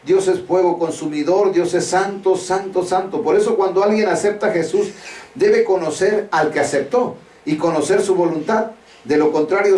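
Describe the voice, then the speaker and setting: A man's voice: high voice, a little mellow. A man preaching a sermon, earnest and direct, pressing listeners with emphatic questions. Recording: echoey room, voice from far off the mic.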